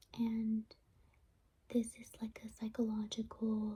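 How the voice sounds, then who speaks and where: A woman speaks softly. Her pitch is fairly high. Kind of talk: ASMR librarian roleplay. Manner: soft-spoken.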